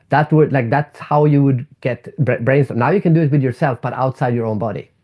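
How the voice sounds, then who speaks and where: A man speaks at a medium pitch and a fairly quick pace, with ordinary pitch variation. His tone is dark, mellow and somewhat breathy, the sound dry and close with no echo. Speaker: keynote speaker and author. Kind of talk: podcast interview.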